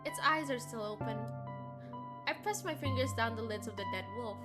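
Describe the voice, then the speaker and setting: A woman's voice: fairly high pitch, normal speed. A woman game streamer reading visual novel narration aloud and commenting casually. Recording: music behind the voice. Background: game music.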